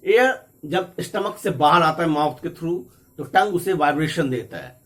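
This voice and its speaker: This man teaches a spoken English lesson, explaining each point in English and then repeating it in Hindi. His voice sits a little high, a bit bright, with lively intonation, and he gives his English examples slowly and deliberately.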